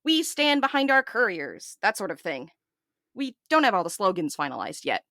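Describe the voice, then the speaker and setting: A woman's voice: medium pitch, very animated, moderate pace, bright, forceful tone, no echo. A woman plays an officious male governor's assistant in an audio drama. He is fussy and self-important, delivering chirpy, polished public relations patter. The sound is dry and close. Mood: upbeat, officious. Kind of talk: scripted audio drama dialogue.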